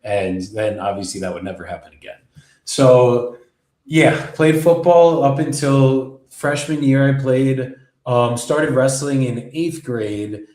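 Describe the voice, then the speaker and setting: A man's voice: medium pitch, slow pace, a little mellow. A young man telling his life story in a casual, rambling way, full of swearing and fillers. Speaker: podcast host. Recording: echoey room.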